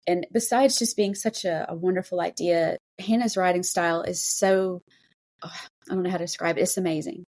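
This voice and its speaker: A woman's voice: on the low side, fairly even intonation, fairly quick, darkish tone. A woman hosting a podcast interview, talking casually and effusively. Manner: effusive, gushing. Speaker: podcast host and anthology editor.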